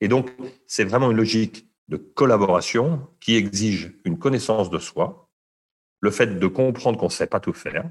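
Speaking fairly slowly, a man uses lively intonation at a medium pitch. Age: 50s. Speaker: entrepreneur and author. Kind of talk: interview.

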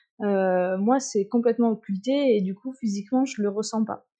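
A woman talks at a moderate pace in a dark, mellow tone, her pitch fairly high with ordinary variation. The background is quiet. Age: 20s. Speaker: school education counselor. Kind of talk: casual interview.

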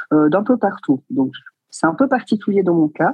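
A woman talks in a normal speaking voice. Her intonation is lively and her pace moderate. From Switzerland (French-speaking), born in South Korea, adopted at 7. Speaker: shaman. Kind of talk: interview.

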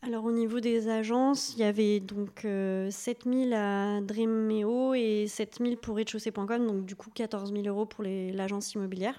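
Her voice dark and mellow yet fairly high in pitch, a woman speaks fairly slowly in a flat, monotone way with hardly any pauses. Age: 30s. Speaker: physiotherapist. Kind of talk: interview. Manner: halting, many hesitations.

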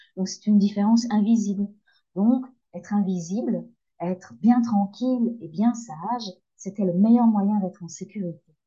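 Somewhat breathy, a woman speaks fairly slowly at a medium pitch, with ordinary pitch variation and big swings in loudness. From France. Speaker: LGBT leader and spirituality coach. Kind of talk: interview.

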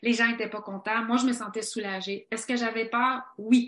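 Her pitch is fairly high for a woman. The woman talks at a moderate speed, her intonation fairly even. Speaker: entrepreneur and cookbook author. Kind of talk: podcast interview.

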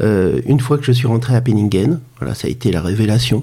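A man speaks at a medium pitch with fairly even intonation. His tone is dark and mellow, and somewhat breathy. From Paris region, France. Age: 50s. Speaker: art director and photographer. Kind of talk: interview conversation. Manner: hesitant, many fillers and repetitions.

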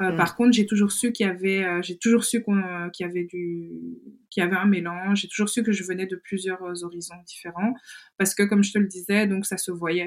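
The woman's intonation is monotone and flat, her pitch medium and her pace moderate. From Belgium, Brussels. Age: 30s. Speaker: event organizer. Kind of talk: casual chat. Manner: halting.

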